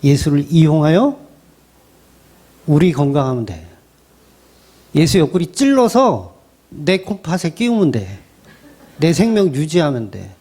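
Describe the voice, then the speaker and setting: A man's voice: fairly high pitch, sing-song, measured pace, long pauses, mellow, breathy edge. A middle-aged man, a pastor preaching a sermon in a conversational style, acting out quoted voices.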